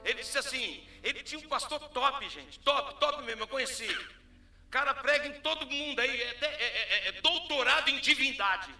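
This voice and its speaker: Animated preaching Brazilian man, echoey church. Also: very high voice, moderate pace, soft background music. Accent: Brazilian Portuguese. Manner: storytelling, animated, acts out dialogue. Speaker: pastor. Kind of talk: sermon.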